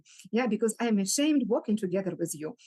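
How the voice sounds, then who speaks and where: Somewhat breathy, a woman's fairly high voice has a dark, mellow tone and lively intonation. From Ukraine. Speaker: university English teacher, conference speaker. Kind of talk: conference lecture. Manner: halting, many fillers.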